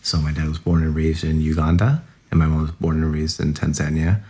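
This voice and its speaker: A man's voice: very deep voice, flat delivery, fairly quick, darkish tone. A young adult man from the United States, a podcast guest chatting casually about his family, rambling with lots of "like"s. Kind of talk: casual interview storytelling.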